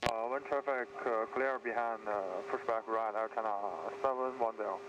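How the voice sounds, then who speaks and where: A man speaking as a pilot, reading back clearances over aviation radio. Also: medium pitch, fairly even intonation, normal speed, dull audio. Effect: aviation radio transmission. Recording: noisy, distant aviation radio.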